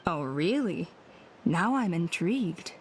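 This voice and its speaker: An actress playing a measured, reassuring, authoritative female tribal elder in a video game. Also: fairly low pitch, expressive, slight background noise. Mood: intrigued.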